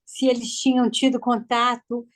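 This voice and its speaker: High-voiced Brazilian woman asking questions. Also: completely flat delivery, moderate pace. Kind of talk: casual questioning in a group discussion.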